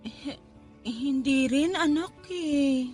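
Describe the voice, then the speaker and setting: Struggling Filipino mother, high voice, coaxing, hesitant, evasive, radio drama, faint music behind. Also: very slow, darkish tone. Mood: troubled. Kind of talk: Tagalog radio drama acting.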